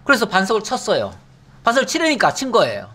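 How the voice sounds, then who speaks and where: A middle-aged man preaching a Bible lesson, his fairly high voice rising and falling in lively swings. He keeps it conversational, tossing out rhetorical questions and answering himself with a quick "yes". He sounds like a pastor explaining scripture to his congregation. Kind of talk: Bible teaching sermon.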